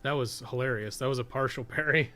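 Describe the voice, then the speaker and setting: On a recording with noticeable background noise, a man streams a game live, talking casually and thinking aloud as he plays. His mid-range voice moves quickly with a sharp edge, and he swears bluntly and constantly in a rambling flow.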